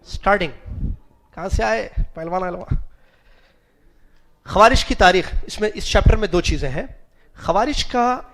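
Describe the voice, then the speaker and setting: A high-voiced man lecturing a class, pausing to quiz his students and chuckling at their answers. He spells out Arabic root letters one by one and slips English words into his explanations. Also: fairly bright tone. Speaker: religious teacher.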